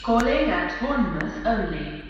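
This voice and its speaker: A woman making train station announcements over a loudspeaker, even and formal. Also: medium pitch, unhurried, a little hiss or hum. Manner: even, formal public address delivery. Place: railway station. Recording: dull, echoey, distant station recording.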